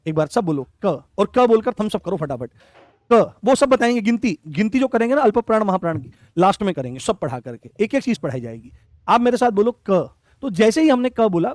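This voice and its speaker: A man's voice: high-pitched, a little mellow, no echo. A man teaching a Hindi grammar lesson, repeating key phrases and quizzing his students with fond nicknames. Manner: affectionate terms for students. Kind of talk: online exam-prep lesson.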